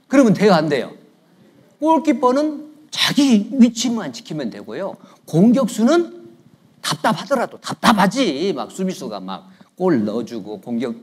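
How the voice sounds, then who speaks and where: Husky pastor preaching animatedly. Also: male voice, a little high, darkish tone. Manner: keeps prompting the congregation with "예?"; joking, storytelling tone. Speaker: guest pastor. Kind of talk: conversational sermon. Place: church sanctuary.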